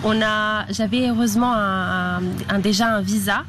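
A woman's voice: mid-range voice, fairly even intonation, moderate pace. Italian-raised woman in her 30s, hesitant interviewee, heavy traffic noise outdoors. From Italy. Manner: hesitant, many fillers. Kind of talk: recorded interview. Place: outdoor café. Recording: loud street traffic behind.

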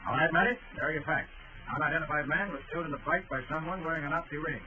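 An actor playing a confident, brisk master detective in a 1940s radio drama, crisp and authoritative. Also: male voice, a little high, close to an everyday voice. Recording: very noisy, tinny 1940s radio recording.

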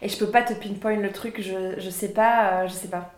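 A woman hosting a podcast interview, chatty and relaxed, asking long rambling questions. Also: mid-range voice, moderate pace. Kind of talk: casual interview. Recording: roomy echo.

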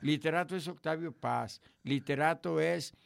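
A man's voice: on the high side, moderate pace, creaky. An older man with a Mexican Spanish accent, a guest musician telling boastful jokes and stories in casual chat. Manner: joking, boastful storyteller.

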